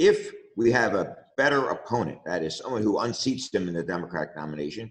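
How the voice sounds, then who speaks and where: A man talks at a fairly quick pace. His pitch is fairly low, with a Philadelphia accent. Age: 60s. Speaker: criminal defense lawyer. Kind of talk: interview.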